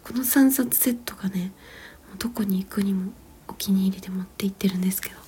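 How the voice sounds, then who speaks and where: A mother in her thirties whispering a long, rambling story, gentle and full of small fillers and soft laughs. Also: mid-range voice, fast, a little hiss or hum.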